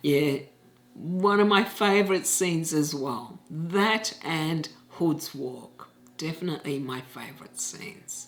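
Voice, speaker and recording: A woman's fairly low, very slow speech with ordinary pitch variation and big swings in loudness. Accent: Australian. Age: 60s. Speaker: book reviewer. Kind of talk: spoken book review.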